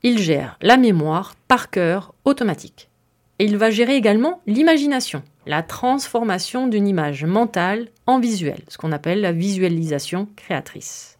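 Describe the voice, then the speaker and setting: A woman's voice: mid-range voice, expressive, moderate pace. A woman hosting a podcast and explaining her subject in a friendly, conversational way, with filler words and some self-mocking humor. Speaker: podcast host.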